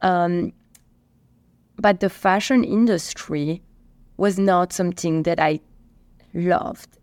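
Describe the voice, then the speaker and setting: A woman's voice: lowish voice, steady tone, takes it slowly, darkish tone, no echo. A woman from Belgium with a Belgian accent, telling stories casually as an interview guest and acting out quoted dialogue. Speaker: company co-founder and CEO, podcast guest.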